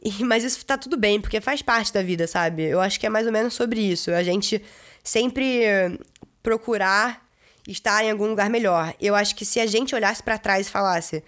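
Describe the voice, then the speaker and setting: A young woman from Brazil chats to the camera about her own stories. She talks loosely, with lots of fillers, and swears casually now and then. Her pitch sits in the middle range. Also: normal speed, a bit bright. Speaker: vlogger. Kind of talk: casual storytelling.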